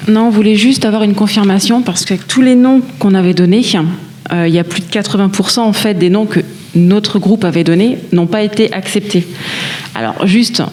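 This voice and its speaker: A woman's voice: medium pitch, fairly even intonation, normal speed, a little mellow, a little hiss or hum. A woman speaks as a town councillor, putting spontaneous questions in a meeting.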